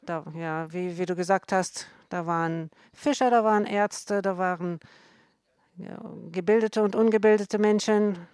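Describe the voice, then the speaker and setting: A woman co-hosting a Christian program, explaining her faith earnestly in a slow, careful way and often correcting herself mid-word. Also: medium pitch, fairly even intonation, a little mellow, smooth, no echo, studio quality.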